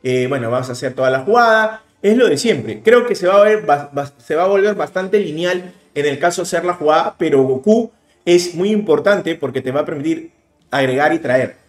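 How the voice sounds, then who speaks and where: A man in his thirties with a Peruvian Spanish accent, commentating a card game replay in a casual, animated way. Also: a little high, reverberant. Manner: animated, explaining plays rapidly with bursts of emphasis. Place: indoor room, webcam overlay.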